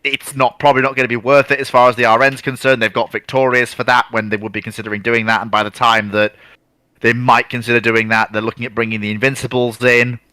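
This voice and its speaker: A man's voice: mid-range voice, pushed and bright, smooth, no room sound. A man in an informal expert discussion, explaining in colloquial terms and piling up point after point. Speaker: naval history discussion panellist.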